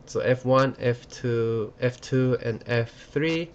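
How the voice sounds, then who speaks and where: A man giving a recorded lecture, halting and full of fillers and restarts. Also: mid-range voice, highs cut off, a little hiss or hum.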